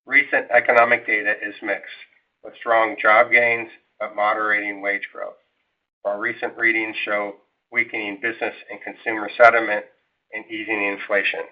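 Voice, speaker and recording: A man speaking as a company executive, reading a formal, measured scripted financial presentation over a conference call line. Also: on the low side. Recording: tinny, narrow phone line.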